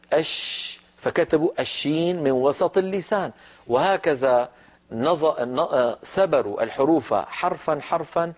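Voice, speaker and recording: Man teaching Quran recitation, measured pace. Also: a little high, darkish tone. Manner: measured explanatory lecturing, demonstrates letter sounds slowly. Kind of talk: televised religious lesson.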